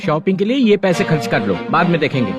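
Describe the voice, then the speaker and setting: A man's voice: a little high, big pitch swings, fast talker, muffled recording, over loud music. A man dubbing an irritable son-in-law in a film, grumbling and sarcastic.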